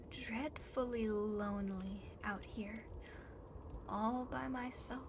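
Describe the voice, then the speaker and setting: A woman voicing a lonely, possessive female demon in an ASMR roleplay, softly, often whispering, with teasing, smug condescension, on an amateur home mic. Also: a little high. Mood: lonely, coaxing. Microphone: close home microphone, not binaural. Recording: noisy amateur home microphone recording.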